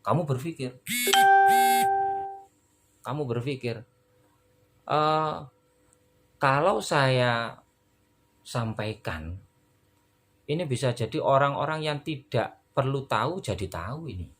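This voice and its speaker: A tired man, teaching a recorded lesson on Arabic rhetoric in a relaxed, conversational way and acting out short dialogues to explain. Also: medium pitch, slow pace, long pauses, soft background music.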